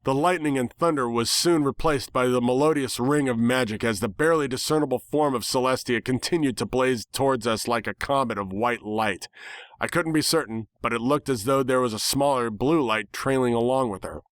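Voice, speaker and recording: Male narrator for dramatic fiction reading, medium pitch, dry recording. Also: brisk, dry recording. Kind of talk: dramatic scripted story narration.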